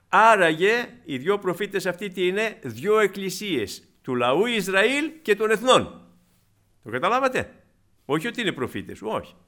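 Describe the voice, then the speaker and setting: A man preaching a sermon to his congregation, who asks them rhetorical questions and swings between soft asides and loud, emphatic cries. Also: a little high.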